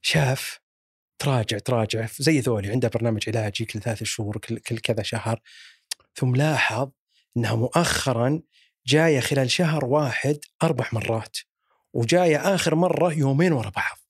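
A man's voice: mid-range voice, fairly quick, husky, dry recording, clean studio sound. A man with a Saudi accent, narrating a crime story in a chatty, rambling way. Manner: chatty and rambling, with frequent restarts and fillers. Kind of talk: casual storytelling.

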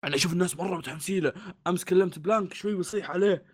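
Quick-talking man, joking. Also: high voice, slightly rough. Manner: joking, self-deprecating, trails off when unsure. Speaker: podcast co-host. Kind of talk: casual chat.

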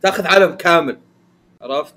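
A man co-hosting a casual podcast chat who briskly steers the conversation. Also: a little high, sharp tone. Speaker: podcast co-host.

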